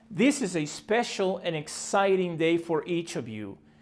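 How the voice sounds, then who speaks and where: A man with a Salvadoran accent speaks fairly slowly in a high pitch with lively intonation. The recording is very clean, with a silent background. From El Salvador. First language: Spanish. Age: 50s. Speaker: state supreme court justice, commencement speaker. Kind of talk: commencement speech. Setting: recorded video for a virtual ceremony.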